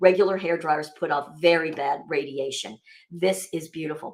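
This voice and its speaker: A woman talks in an animated tone at a moderate pace. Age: 60s. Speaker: wellness product presenter. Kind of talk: livestream product presentation. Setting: livestream.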